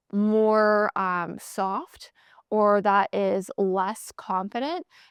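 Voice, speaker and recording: Recorded very cleanly against a silent background, a woman at medium pitch sounds dry and close, with no echo. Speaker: sales coach and podcast host. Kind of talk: solo podcast, coaching talk. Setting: video podcast. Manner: fast; animated.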